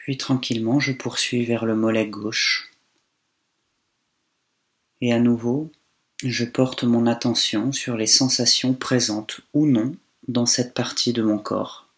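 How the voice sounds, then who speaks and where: Slow, even-toned man guiding meditation. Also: mid-range voice. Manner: calm, unhurried, long pauses between phrases. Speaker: meditation guide. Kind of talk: guided body scan meditation.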